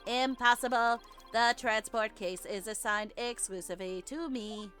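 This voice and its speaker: High-pitched theatrical woman reading game dialogue. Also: unhurried, a bit bright. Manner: theatrical, playful. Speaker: let's player reading game dialogue aloud. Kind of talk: gaming playthrough with dramatic read-aloud of characters. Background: video game music.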